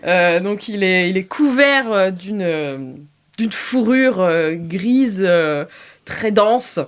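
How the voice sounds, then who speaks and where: A woman's voice: mid-range voice, animated, slow, smooth. A woman narrating as game master of an improvised tabletop game, hesitant and full of filler sounds. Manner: hesitant, many filler sounds, laughs often.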